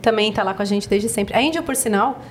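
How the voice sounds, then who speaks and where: A Brazilian woman chatting as a podcast guest, telling stories in a lively way and acting out what people said. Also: mid-range voice, fast, a little hiss or hum. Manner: animated storyteller, acts out quotes. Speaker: podcast guest, project founder. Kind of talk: casual podcast chat.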